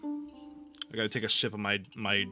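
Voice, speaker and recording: With ambient music underneath, a livestream host talks in a fairly low, monotone voice at a moderate pace. Despite the flat delivery, he's jokey, profane and irreverent, moving between offhand chat and reading text out loud.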